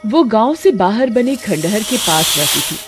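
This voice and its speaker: A woman narrating a cartoon horror story in a steady, dramatic scripted way. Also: mid-range voice, measured pace, over music.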